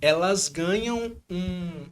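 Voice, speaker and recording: High-voiced man with an Espírito Santo accent. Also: drawn-out words, a little hiss or hum. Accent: Espírito Santo Brazilian Portuguese. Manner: animated, full of slang fillers. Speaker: podcast host. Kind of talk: casual chat.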